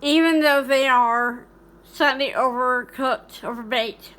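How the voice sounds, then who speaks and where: Home baking vlogger, woman, high bright voice, loose chatty delivery full of ums. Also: fairly even intonation, takes it slowly. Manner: rambling, many fillers and restarts. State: hiccuping. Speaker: cooking channel host. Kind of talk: casual vlog chat.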